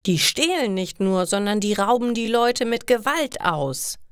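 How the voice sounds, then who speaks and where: Woman playing an urgent male jeweler, raised pitch. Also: lively intonation, a little slow, smooth, no echo, clean studio sound, natural voice.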